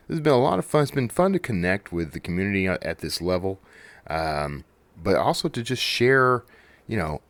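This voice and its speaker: A man's voice: deep voice, dry recording. A man hosting a podcast, chatting casually and solo in a rambling, conversational way that often doubles back on itself. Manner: rambling, conversational, self-interrupting. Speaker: podcast host.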